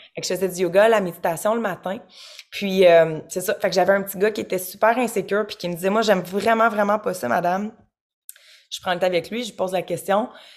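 Here a woman talks at a very fast pace. Her pitch is medium and her intonation fairly even. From Quebec, Trois-Rivières. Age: 30s. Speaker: yoga and meditation teacher, entrepreneur. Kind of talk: podcast interview.

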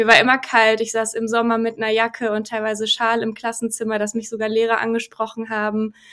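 The recording is very clean, with a silent background. A woman talks at a moderate pace in a fairly high pitch. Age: 30s. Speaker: biotechnologist sharing her illness story. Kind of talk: interview.

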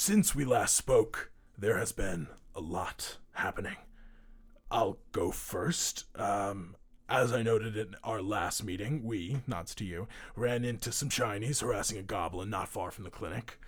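A man puts on a raspy character voice at a medium pitch. He keeps a moderate pace with ordinary pitch variation. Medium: actual play. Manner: earnest, officious.

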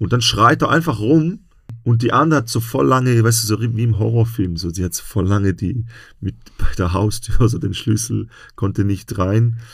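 A man with a medium pitch talks with ordinary pitch variation and a somewhat breathy sound. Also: moderate pace. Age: 30s. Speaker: stand-up comedian. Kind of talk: casual chat.

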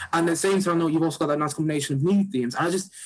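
A man speaks with a Manchester accent. His voice is somewhat breathy. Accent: Greater Manchester English. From Oldham, Greater Manchester, England. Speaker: first-year film student. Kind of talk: casual chat.

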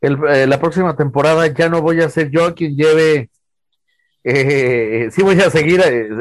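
Pitch moves in a typical way as the speech unfolds fairly slowly. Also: man. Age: 30s. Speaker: podcast host. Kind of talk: casual chat.

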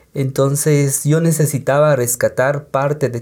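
A man speaks with a dark, mellow tone. The recording is very clean with a silent background. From Guatemala, San Juan Comalapa. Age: 30s. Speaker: poet and youth NGO worker. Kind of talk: interview.

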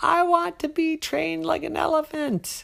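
A put-on character voice with a timid tone at a moderate pace. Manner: small, timid.

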